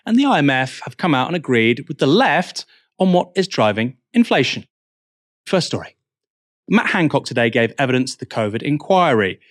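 A man's voice: medium pitch, sing-song, normal speed, no echo. Male news host, dry close sound. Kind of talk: scripted news presenting.

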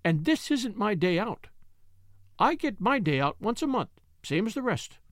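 A man's voice: sits high, very animated, measured pace, no room sound, studio quality, pitched above the performer's own voice. A man voicing a talkative, good-tempered young housemaid with homely, outspoken speech in an audiobook. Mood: stout. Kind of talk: audiobook character voice.

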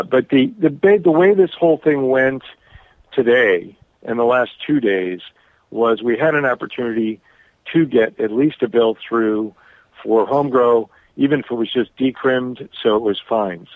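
A man calling in to a radio show over a bad phone connection, speaking haltingly with many pauses and restarts. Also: medium pitch, dry recording. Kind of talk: call-in radio interview. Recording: tinny dry phone line.

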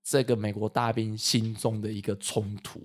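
A man's voice: lowish voice, flat delivery, moderate pace. A man with a Taiwanese accent explaining things earnestly and enthusiastically in a casual chat.

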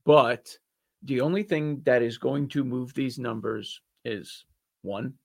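A man's voice: medium pitch, creaky. A man with a Chicago accent hosting a sports betting podcast, talking casually and joking with his co-host. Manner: quick, joking, restarts often.

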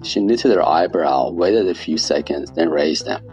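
A man's voice: very deep voice, unhurried, darkish tone, soft background music, poor audio. An older man from Iran with a Persian accent, reading his own personal essay with dry, wry humor.

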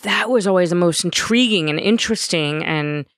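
A woman's voice: fairly low pitch, normal speed, dry recording, clean studio sound. A woman guest on a podcast, talking candidly and animatedly, joking and swearing freely. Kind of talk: casual conversation.

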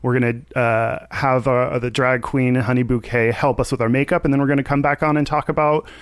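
Hungover male co-host, smooth and dry-sounding, hesitant with nervous laughs. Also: medium pitch, level tone, brisk, no room sound. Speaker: podcast co-host. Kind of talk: casual chat.

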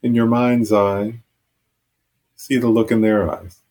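A man leading a guided meditation as a teacher, giving gentle, halting, unscripted instructions with long pauses. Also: lowish voice, level tone.

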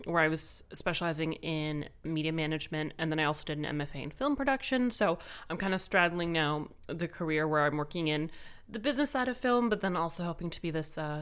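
A woman's voice: low voice, fairly bright tone, clean tone. A woman in her twenties from the Middle East, a podcast guest who chats in a bubbly way with many ums and laughs. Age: 20s. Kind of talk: casual interview chat.

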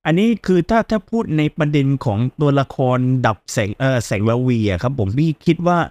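A man's voice: fairly high pitch, big pitch swings, a little fast, a little mellow, no echo. A man hosting a casual film review chat, joking and laughing often. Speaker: podcast host.

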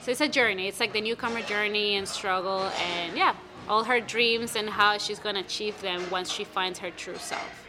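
A young woman speaking English as a second language, answering interview questions about her play in a lively, casual way with many restarts. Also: mid-range voice, moderate pace, over music. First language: not English. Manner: animated, many restarts and fillers. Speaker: playwright guest.

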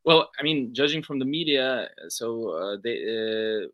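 Bright-voiced man, hesitant interview guest. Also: medium pitch, animated, no room sound. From Belarus. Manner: hesitant, halting, measured, hedging answers. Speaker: football reporter and interview guest. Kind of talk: interview answers.

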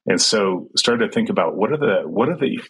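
A man's voice: on the low side, lively intonation, fairly quick, fairly bright tone, slightly rough, rough recording. A middle-aged man who grew up in Sudan and Kenya, a tech entrepreneur answering interview questions in a thoughtful way, with many fillers and restarts.

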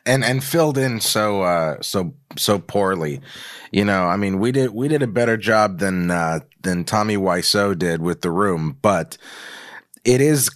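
A man's voice: fairly low pitch, lively intonation, unhurried, no room sound, clean studio sound. A man co-hosting a podcast in casual, rambling chat, swearing freely and poking fun at himself. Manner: rambling, profane, self-mocking. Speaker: podcast co-host.

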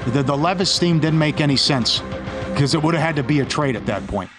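Animated male sports radio host. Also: fairly high pitch, fairly quick, over music. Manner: animated storytelling with repeated restarts. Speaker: sports betting show host. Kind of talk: casual banter, then ad read.

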